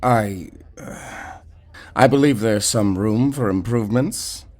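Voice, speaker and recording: A man's voice: on the low side, slow, darkish tone. A man acting a proud, critical professor in a sci-fi audio drama, stiff and pompous, turning defensive. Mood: flustered, uneasy. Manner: pompous, stiff, hesitant when challenged.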